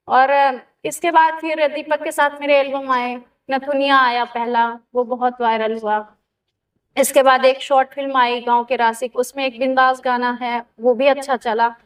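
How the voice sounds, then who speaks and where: Woman, Bagheli-region Hindi accent, high voice, set back from the mic, earnest interview talk. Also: recorded from a distance. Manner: steady, earnest, reflective. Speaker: actress, interview guest.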